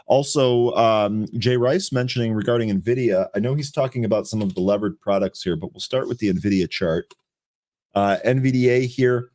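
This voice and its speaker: Guy rattling off stock tickers on a live trading stream, lowish voice, dead dry sound. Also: darkish tone, no room sound. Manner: brisk ticker-by-ticker chart calls. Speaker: trading show co-host. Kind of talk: live market commentary.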